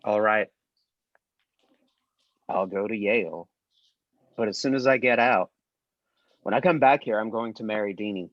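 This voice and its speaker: A man's voice: lowish voice, a little slow, long pauses, dry recording, lightly acted. Man as earnest troubled teenage son, muffled. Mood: pleading, dejected. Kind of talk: virtual table read of a drama script. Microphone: video call microphone.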